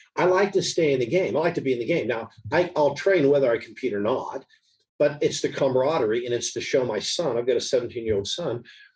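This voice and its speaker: The speaker talks at a fairly quick pace. The voice sounds somewhat breathy. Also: man. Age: 60s. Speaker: doctor and practice coach. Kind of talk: podcast interview. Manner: repetitive false starts.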